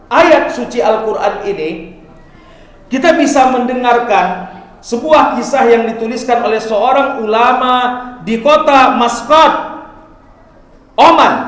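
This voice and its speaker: A man giving a Friday sermon in a mosque, slowing down for drawn-out Quranic recitation. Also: very high voice. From Indonesia. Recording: echoey mosque hall.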